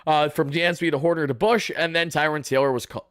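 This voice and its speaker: Raspy-voiced man recapping a game. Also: on the high side, fairly even intonation, brisk, a bit bright, no room sound, studio quality. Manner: chatty, boastful fan banter. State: raspy from yelling. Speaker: sports fan channel host. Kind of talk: live-stream game recap.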